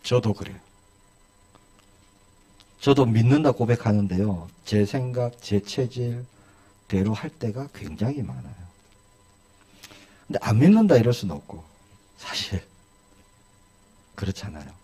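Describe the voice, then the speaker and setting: A man's voice: fairly low pitch, animated, measured pace, pauses often, mellow. A male pastor preaching a sermon in a church, asking his congregation one rhetorical question after another.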